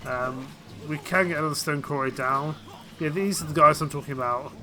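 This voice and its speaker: A man with a cold and a croaky voice, giving casual, hesitant commentary while playing a strategy game. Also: a little high, brisk, bright, forceful tone, slight background noise. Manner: hesitant, full of ums and restarts. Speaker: game streamer.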